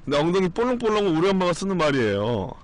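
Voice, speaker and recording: Male streamer, strained recovering voice, rambling blunt banter, swearing, lively pitch swings. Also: rapid-fire, faint music behind. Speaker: live streamer. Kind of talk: casual live-stream chat.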